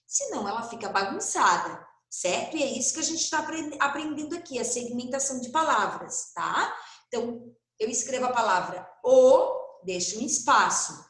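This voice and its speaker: A woman's voice: on the high side, expressive, normal speed, a bit bright, echoey room. A woman with a Brazilian Portuguese accent, teaching first graders in a recorded online class, patient and stretching words out for young children.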